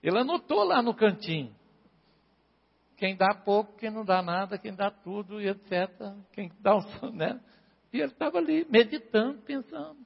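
In a conversational sermon, a pastor talks with his congregation and addresses listeners by name. He speaks at normal speed in a high-pitched, lively voice that's creaky and slightly rough, recorded in a dull, echoing hall.

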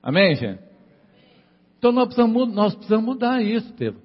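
A man's voice: sits high, sing-song, brisk, long reverb tail, lo-fi sound. A man preaching a sermon in a church. He repeats his lines for emphasis and keeps asking the congregation "amen?". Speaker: pastor.

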